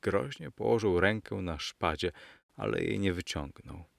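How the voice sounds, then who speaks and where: Male audiobook narrator, very low gravelly voice, dry close-miked sound, old-fashioned storyteller. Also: measured pace, no room sound. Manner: storyteller addressing listeners as gentlemen.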